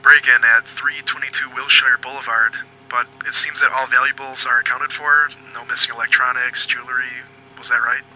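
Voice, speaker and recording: A man playing a foul-mouthed but apologetic police agent in an audio drama, questioning politely and haltingly. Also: mid-range voice, level tone, pushed and bright, low-quality recording. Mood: businesslike, apologetic. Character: foul-mouthed, apologetic male detective agent hunting a killer.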